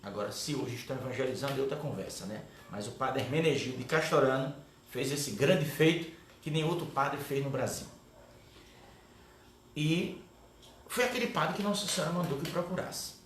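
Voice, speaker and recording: A middle-aged man tells his own story with lively, animated delivery and keeps checking in with the audience through tag questions. His voice sits in an ordinary middle pitch. The recording is roomy and reverberant, with a faint hiss of background noise. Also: normal speed. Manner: animated storyteller, often tags lines with "né?". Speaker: guest speaker at a catechesis. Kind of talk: first-person testimony storytelling.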